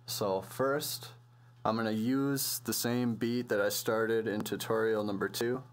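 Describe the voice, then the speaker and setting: A man with a low voice presents a music production tutorial. He explains things casually and loosely, with plenty of slang, as if working it out as he goes. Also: steady tone, a little slow, slight background noise. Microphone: computer voice-over on a microphone.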